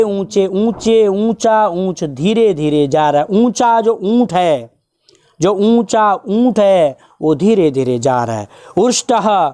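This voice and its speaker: A man teaching a school lesson, going word by word, repeating himself, and chanting verses slowly. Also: high voice, warm tone. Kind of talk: Sanskrit lesson explanation.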